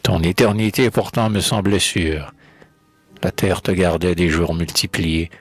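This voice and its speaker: A man with a husky voice recites poetry in a solemn, declamatory, elegiac manner, with measured phrasing. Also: low-pitched, steady tone, dry recording, faint music behind. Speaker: poetry reader.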